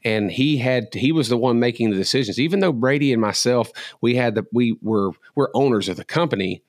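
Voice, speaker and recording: A man's voice: medium pitch, a little fast, no echo, clean studio sound. A middle-aged man co-hosting a podcast who tells stories in an earnest, reflective way. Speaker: podcast co-host. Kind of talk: casual podcast conversation.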